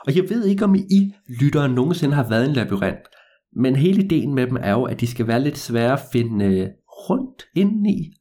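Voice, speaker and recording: Lively, husky male storyteller. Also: medium pitch. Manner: lively, hesitating with fillers and repeats. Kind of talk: spoken storytelling for listeners.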